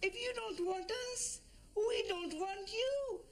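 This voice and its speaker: An actor playing an earnest, hot-headed young assistant who speaks up indignantly. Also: male voice, very high-pitched, takes it slowly, background noise, exaggerated voice. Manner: indignant, eager to defend.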